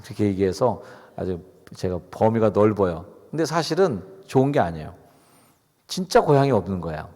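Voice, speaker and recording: A middle-aged pastor preaches with big pitch swings, speaking fairly quickly in a mellow voice on the low side. His sermon is chatty and conversational, full of questions for the congregation, and the church sanctuary adds a long hall reverb.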